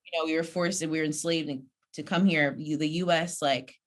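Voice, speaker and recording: Deep-voiced lively woman from Texas. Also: fairly quick. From United States (Houston, Texas). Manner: lively, laughs easily, chatty asides to listeners. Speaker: guest, researcher and organizer. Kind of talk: casual podcast conversation.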